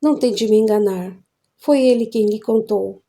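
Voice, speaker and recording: A woman's voice: mid-range voice, moderate pace, dark tone, lightly acted. A woman reading an audiobook, voicing an angry grown son who talks harshly and with irony. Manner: harsh and ironic.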